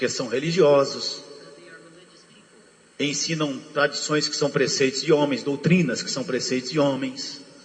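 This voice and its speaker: Audible room echo and noticeable background noise surround a man whose fairly high voice moves at a fairly slow pace, with fairly even intonation and long, frequent pauses. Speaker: pastor. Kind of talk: sermon. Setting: church service with interpreters.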